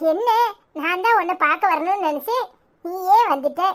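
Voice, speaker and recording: A woman uses a squeaky, cartoonish character voice at an extremely high pitch, with ordinary pitch variation and a moderate pace. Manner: chatty, earthy village speech.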